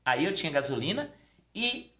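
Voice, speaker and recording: A middle-aged man, a podcast guest telling a personal story casually and acting out the dialogue. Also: brisk. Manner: animated storytelling, acting out dialogue with pitch swings. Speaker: podcast guest, Umbanda priest.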